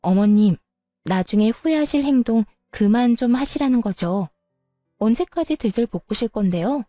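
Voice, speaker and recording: A woman's voice: fairly high pitch, lively intonation, normal speed, warm tone, soft background music, natural voice. A woman voicing a fed-up young sister-in-law who talks back firmly. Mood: exasperated. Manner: firm, exasperated. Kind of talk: storytelling dialogue.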